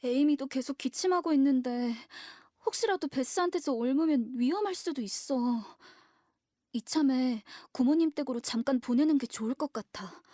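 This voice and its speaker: A sensible young elder sister in an audio drama, voiced by a woman, caring and concerned. The voice is high yet mellow, with a close, dry sound. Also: moderate pace, no echo, close to an everyday voice. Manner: concerned, considerate.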